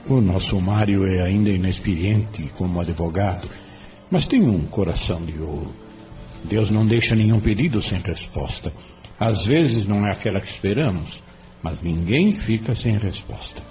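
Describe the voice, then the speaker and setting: A man voicing a calm, kindly spirit mentor who asks measured questions in an audiobook drama. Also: lowish voice, close to an everyday voice. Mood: gentle. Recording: dull lo-fi, distant from mic, music behind.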